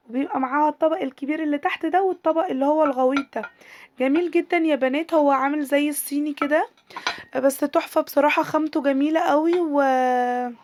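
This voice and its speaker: A young Egyptian woman talks quickly in a high voice, her voice tired from a recent illness. She rambles chattily with long drawn-out fillers and trailing restarts. The sound is close and dry, recorded on a handheld camera. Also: no echo. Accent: Egyptian Arabic. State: tired voice, still recovering from illness. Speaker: lifestyle vlogger. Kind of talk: casual product showcase chat.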